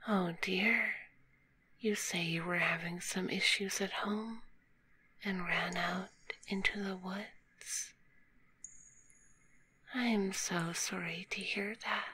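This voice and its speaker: A woman voicing a kind, shy, sleepy spider monster in a gentle ASMR roleplay, with a soft breathy whisper and formal, polite wording, close on a binaural microphone. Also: mid-range voice, steady tone, takes it slowly, pauses often, exaggerated voice. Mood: sympathetic, wistful. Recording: close binaural recording, faint background noise.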